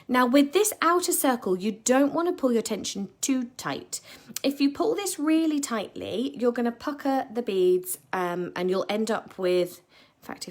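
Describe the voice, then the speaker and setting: Croaky British woman, chatty live craft tutor, steady middle pitch. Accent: British English. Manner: chatty, with many ums and self-corrections. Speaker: beading tutor.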